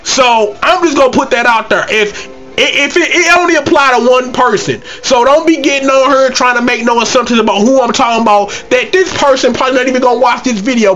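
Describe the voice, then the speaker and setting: A man's voice: high-pitched, fairly bright tone. A congested man hosting his own gaming channel, talking casually in a brash, trash-talking, slangy way. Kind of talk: casual gaming vlog outro.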